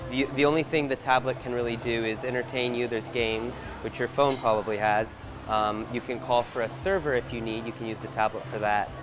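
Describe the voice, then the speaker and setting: Speaking a little fast with fairly even intonation, this mid-range male voice comes from a thirties-aged field reporter. Camera in hand, he wanders a big supermarket, shopping and chatting curiously over background music.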